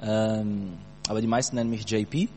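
A Brazilian-born man in his late twenties giving a fervent church testimony, halting often with fillers. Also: fairly low pitch, steady tone, mellow, faint music behind. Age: 20s. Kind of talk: sermon testimony. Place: church hall. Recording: long hall reverb, mains hum.

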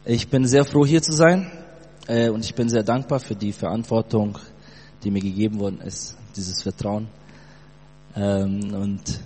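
A Brazilian-born man in his late twenties giving a fervent church testimony, halting often with fillers. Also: fairly low pitch, mellow. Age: 20s. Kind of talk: sermon testimony. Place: church hall. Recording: long hall reverb, mains hum.

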